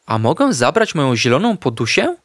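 A man's voice: medium pitch, huge pitch swings, a little fast, fairly bright tone, no echo. A man voicing a timid little male puppy who is scared of doctors, in a whiny, pleading, small voice for a storybook. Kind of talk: storybook character voice.

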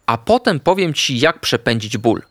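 Man doing a kind badger doc for a kids story, calm and friendly, lively tone, dry. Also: medium pitch, normal speed, dry recording. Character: kind gentle badger doctor, male. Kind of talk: storybook character voice.

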